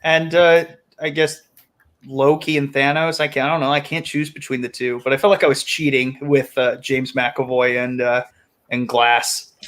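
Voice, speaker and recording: A man chatting casually as a panelist in a film discussion, hesitant and halting as he talks. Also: medium pitch, little pitch movement, a bit bright. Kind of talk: casual chat.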